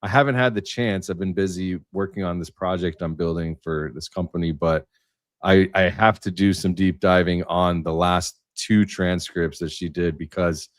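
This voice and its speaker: Low-voiced man thinking aloud, halting. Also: steady tone, dry recording, studio quality. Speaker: livestream panelist. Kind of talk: rambling livestream roundtable discussion.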